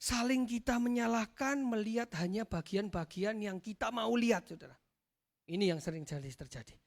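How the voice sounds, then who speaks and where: A male pastor preaching a sermon in a joking, lively way, often calling out to his listeners and swinging between loud and soft. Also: sits high, normal speed, gravelly. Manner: joking, addresses listeners as "saudara".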